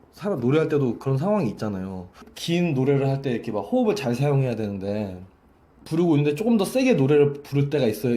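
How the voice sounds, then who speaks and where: Medium in pitch and dark in tone, this man teaches singing, showing how breath pressure works with a hose. His sentences frequently loop back and start over.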